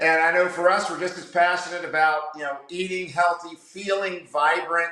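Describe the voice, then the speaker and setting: A high-pitched man in monotone, flat intonation, with audible room echo. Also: moderate pace. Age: 60s. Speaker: clinical pharmacist and nutritionist. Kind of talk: interview.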